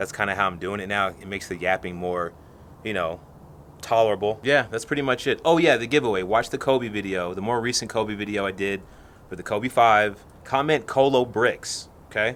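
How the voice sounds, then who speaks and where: In an ordinary speaking voice, a man with fairly low pitch talks at a fairly quick pace with ordinary pitch variation. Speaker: sneaker YouTuber. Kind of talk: casual vlog talk. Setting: outdoors.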